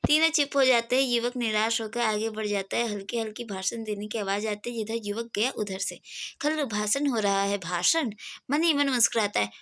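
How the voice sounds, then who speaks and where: A woman's voice: a little high, normal speed, fairly bright tone. Woman reading a play aloud. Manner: reads each speaker's name before their line, with small slips. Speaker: Hindi tutor.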